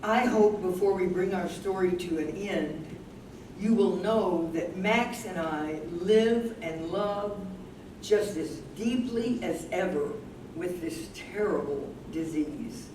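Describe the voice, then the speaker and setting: A woman's voice: fairly low pitch, takes it slowly, a little mellow. A woman in a staged reading, playing a devoted, plaintive elderly wife who has Alzheimer's, with earnest delivery. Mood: earnest, resolute. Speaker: stage reader. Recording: echoey room, far from mic, background noise.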